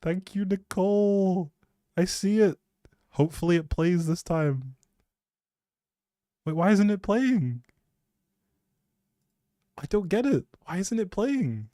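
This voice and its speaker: A man's voice: high-pitched, animated, takes it slowly, long pauses, dark tone, no echo. A man hosting a livestream, rambling casually and chattily, often breaking off mid-thought, speaking close to the mic. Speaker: live streamer, host.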